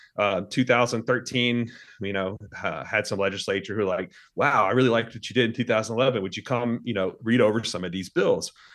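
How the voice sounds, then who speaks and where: Over a quiet background, a man rattles along at a very fast pace in a Southern US accent, keeping his intonation fairly even. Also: medium pitch for a man. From US South. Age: 40s. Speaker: lawyer. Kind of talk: interview.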